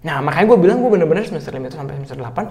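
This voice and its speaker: Fast-talking young man, Batak native. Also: a little high. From North Sumatra, Indonesia. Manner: lively, fast talker mixing in English words. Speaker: interview guest. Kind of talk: casual interview chat. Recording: reverberant room.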